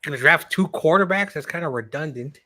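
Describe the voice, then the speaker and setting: A man's voice: on the high side, expressive, fairly quick, bright, forceful tone. A man co-hosting a sports podcast, teasing the others in playful casual banter. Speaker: podcast co-host. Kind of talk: casual chat.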